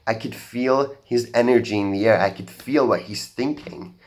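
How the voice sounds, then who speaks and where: A young man from the Arab world with an American-sounding accent, telling a personal story in a public talk, earnest and halting with many fillers and restarts. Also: mid-range voice. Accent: general American. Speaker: speaker at a talk. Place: auditorium stage.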